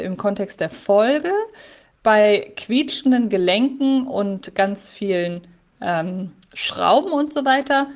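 A woman co-hosting a podcast in casual chat, analytical and wordy, often correcting herself. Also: a little high. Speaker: podcast co-host. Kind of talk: casual chat about a radio play.

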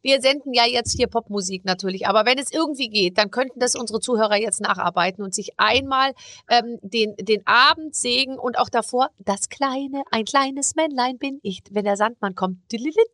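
Chatty, bright-voiced woman host. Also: on the high side, a little fast, no echo. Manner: chatty and animated, laughs while telling stories. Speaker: podcast host. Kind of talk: casual chat.

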